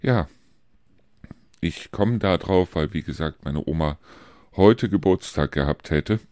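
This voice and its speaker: A man's voice: sits low, unhurried, a little mellow, dry recording, clean studio sound. A man in his fifties from Germany, hosting a casual podcast monologue, rambling and chatty with frequent hesitations. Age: 50s. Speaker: podcast host.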